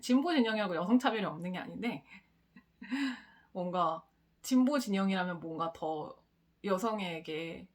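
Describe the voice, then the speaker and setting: A young woman giving a casual book review, blunt and quick to laugh, now and then swearing. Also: medium pitch, animated.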